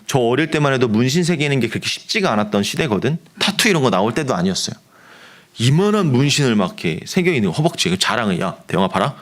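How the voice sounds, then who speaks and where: A man's voice: mid-range voice, fast. A middle-aged man, a pastor preaching a youth sermon, telling a story and acting out the voices in it. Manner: animated, acts out quoted voices of friends.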